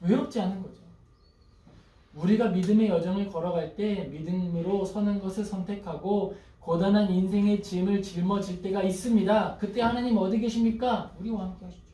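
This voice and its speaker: A man's voice: sits high, steady tone, fairly quick, warm tone. A male pastor preaching a sermon who asks the congregation questions and acts out pleading prayers. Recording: echoey hall, voice from a distance.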